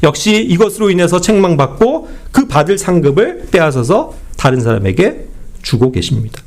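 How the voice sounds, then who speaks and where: A male preacher delivers a sermon and keeps turning to the congregation with rhetorical questions. His voice sits high, and his pitch rises and falls a great deal. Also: very animated, moderate pace.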